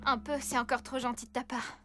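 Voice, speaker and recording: A woman's voice: fairly high pitch, level tone, a little fast, loud music behind the voice, close to an everyday voice. A woman voicing a smug, nosy schoolgirl reporter in a cartoon dub, pompous and snippy. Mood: grudging. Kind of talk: French-dubbed animated cartoon acting.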